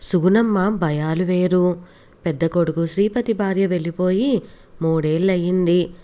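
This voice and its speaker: Woman narrator with a low, relaxed voice, reading a story calmly and steadily. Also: normal speed. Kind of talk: Telugu audiobook story narration.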